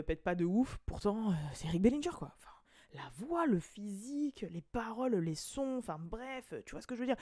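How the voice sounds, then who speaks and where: A woman's voice: mid-range voice, no room sound, clean studio sound. A woman hosting a celebrity gossip podcast, talking in a rambling, chatty way full of fillers and restarts. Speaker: podcast host. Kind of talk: casual celebrity gossip chat.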